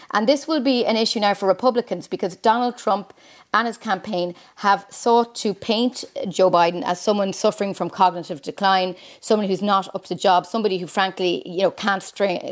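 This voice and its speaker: A woman giving measured, articulate political analysis as a news correspondent in a conversational broadcast interview. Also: medium pitch.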